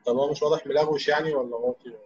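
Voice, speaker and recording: A young man in his twenties with an Egyptian accent, an engineering student explaining a technical topic, heard over blurry, muffled low-quality stream audio. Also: steady tone, a little mellow, breathy edge. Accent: Egyptian Arabic. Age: 20s. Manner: rapid explaining with frequent drawn-out fillers. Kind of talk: technical presentation over an online call. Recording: dull lo-fi online call audio.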